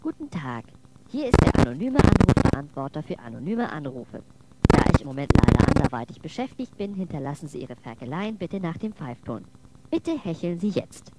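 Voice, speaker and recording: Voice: medium pitch, sing-song, moderate pace, close to an everyday voice. A performer playing a smutty anonymous answering machine with a scripted comic message. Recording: very noisy, with clicks.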